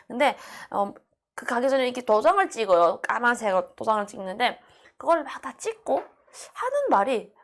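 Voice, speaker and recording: Woman recounting her escape, slightly high voice. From North Korea. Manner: earnest, emotional retelling with many fillers. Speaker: North Korean defector telling her story. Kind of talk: personal storytelling monologue.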